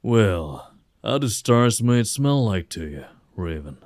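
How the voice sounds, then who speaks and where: A man's voice: fairly low pitch, very animated, takes it slowly, darkish tone, no room sound, clean studio sound, exaggerated voice. A man voicing an easygoing werewolf friend. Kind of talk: fan audio drama acting.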